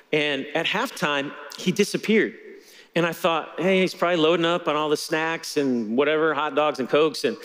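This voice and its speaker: A middle-aged man preaching a sermon from a church stage on a headset mic, telling stories in a relaxed conversational way. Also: on the high side, big-room sound. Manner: conversational storytelling with laughter. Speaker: pastor.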